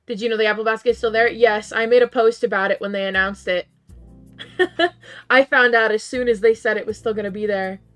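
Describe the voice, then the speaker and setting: A slightly hoarse woman streamer, losing her voice a little, chatting casually with her viewers, laughing often and filling pauses with "um". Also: fairly high pitch, fairly even intonation, a bit bright, soft background music. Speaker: game streamer. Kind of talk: casual live-stream chat.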